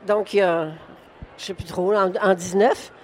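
An older woman with a Québécois accent talks frankly and with animation, often breaking into laughter. She is a novelist answering questions on a book fair stage, and her voice sits at an ordinary middle pitch. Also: steady tone, normal speed, a little mellow, slight background noise. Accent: Québécois French. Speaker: novelist guest. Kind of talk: conversational interview on stage.

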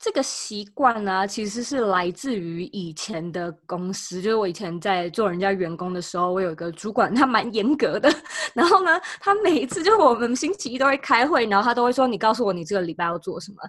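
A woman, speaking as an interview guest. She lays out practical advice step by step in a relaxed, chatty way. Her voice sits at a medium pitch and is recorded close and dry. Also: a little fast, no echo. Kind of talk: casual interview chat.

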